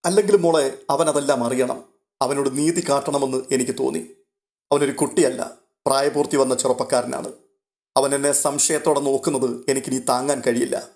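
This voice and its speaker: A man playing a grave, gentle middle-aged father worn by regret, speaking calmly and low while softly explaining. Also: brisk, lightly acted. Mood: regretful.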